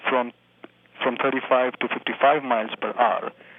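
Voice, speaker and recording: A man speaks with an Indian accent. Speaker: caller. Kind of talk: phone-in call describing car problem. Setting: phone call.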